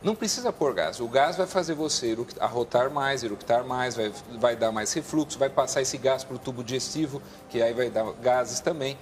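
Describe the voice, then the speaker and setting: A man speaking as a guest doctor on a TV talk show, calmly explaining health advice with frequent restarts. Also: mid-range voice, moderate pace, few pauses.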